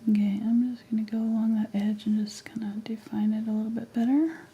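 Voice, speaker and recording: A woman's voice: on the high side, little pitch movement, a little fast, husky, dull audio. A woman teaching a live painting tutorial, half-whispering while she paints and losing her voice. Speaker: painting instructor.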